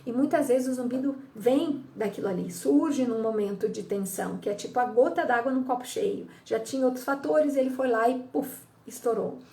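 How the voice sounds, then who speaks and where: A woman's voice: on the high side, moderate pace, warm tone. A middle-aged woman, a hearing specialist, explains the causes of ear ringing in a teaching tone, often checking in with listeners and acting out what her patients say. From Brazil. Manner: didactic, frequent "tá?" check-ins, acts out patient quotes. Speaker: audiologist and psychologist. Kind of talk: explanatory health talk.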